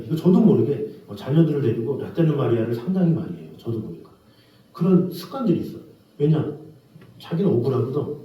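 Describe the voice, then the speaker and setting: A middle-aged man preaching a sermon as pastor in a church sanctuary. He talks in a conversational way, asks rhetorical questions and acts out the people he quotes. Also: medium pitch. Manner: acts out quoted scolding and gentle voices. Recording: roomy, distant, dull church recording.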